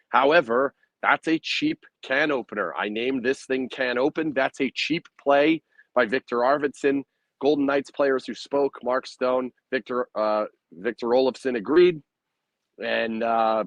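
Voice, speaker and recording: Hoarse raspy guy ranting about the hockey game, blunt, swears a lot, dry close mic. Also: mid-range voice, no room sound. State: hoarse, recovering from lost voice. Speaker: hockey podcast host. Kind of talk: postgame sports commentary.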